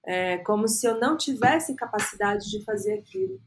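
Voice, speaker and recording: A woman in her thirties with a Brazilian Portuguese accent, a podcast guest telling her career story earnestly and often filling pauses with "é". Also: fairly high pitch, sing-song, a little hiss or hum. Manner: earnest, storytelling, frequent "é" fillers. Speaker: guest, agency co-founder. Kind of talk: reflective podcast interview.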